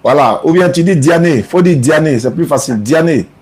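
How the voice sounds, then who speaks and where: A man who is a Muslim preacher, taking callers on a live religious talk show and speaking in a calm, unhurried way that repeats things to confirm them. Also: a little high, husky.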